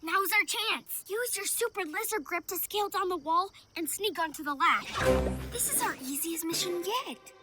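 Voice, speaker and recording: A man's voice: extremely high pitch, moderate pace. A male actor voicing an earnest boy superhero who leads his team in a cartoon, emphatic and urgent, with music behind. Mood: confident. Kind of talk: cartoon acting.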